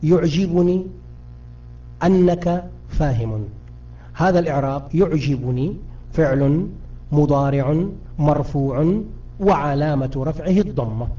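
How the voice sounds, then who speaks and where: A high-pitched man leads a grammar lesson, patiently quizzing his class and often stumbling over and repeating his words. His tone is mellow and dark. The audio is dull and lo-fi, as if he sits away from the microphone. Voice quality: frequent self-restarts and repeated words. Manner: patient, keeps quizzing students. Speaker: Arabic grammar teacher. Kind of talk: live online grammar lesson. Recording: muffled distant voice, lo-fi.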